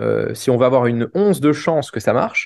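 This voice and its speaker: With a quiet background, a man speaks in a normal speaking voice at medium pitch with lively intonation. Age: 30s. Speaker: tech company founder. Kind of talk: interview testimony.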